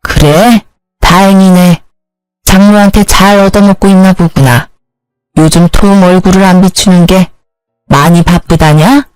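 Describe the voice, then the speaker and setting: A woman's voice: fairly low pitch, steady tone, a little slow, a little mellow, clear, resonant tone, no room sound, faint music behind, natural voice, rough recording. A woman voicing a blunt older mother-in-law who speaks in brusque questions.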